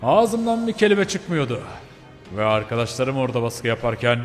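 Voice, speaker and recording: A man's voice: mid-range voice, sing-song, moderate pace, big-room sound, faint music behind, lightly acted. A man voicing a white pitbull dog who tells his story with regret, as game role-play narration. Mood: rueful.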